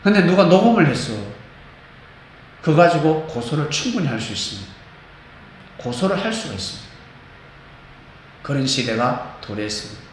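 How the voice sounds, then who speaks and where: A man preaching a sermon as pastor, animated, acting out quotes and singing bits of hymns. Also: on the high side, normal speed, pauses often. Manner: animated, acts out quotes, sings snatches of hymns. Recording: echoey church hall, faint noise.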